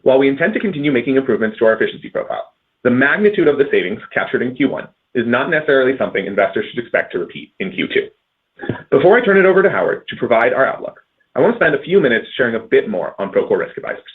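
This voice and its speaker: A man reading a scripted earnings call presentation as a company finance executive, in measured corporate phrasing with stressed transitions. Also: medium pitch, very animated, slightly rough, narrow, tinny audio.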